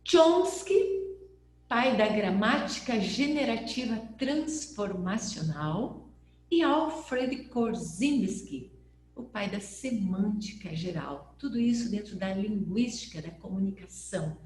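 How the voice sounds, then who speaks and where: Brazilian woman lecturer, animated storyteller, roomy echo with a low hum behind her. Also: takes it slowly. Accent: Brazilian Portuguese. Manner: lively storytelling, acts out quoted voices. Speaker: NLP teacher. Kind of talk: lecture with acted quotes. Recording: echoey room with faint hum.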